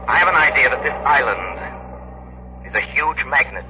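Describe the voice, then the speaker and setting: An actor playing a calm, commanding crime-fighting detective in a 1930s radio drama. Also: male voice, medium pitch, lightly acted. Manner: authoritative, measured. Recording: hissy muffled 1930s radio broadcast.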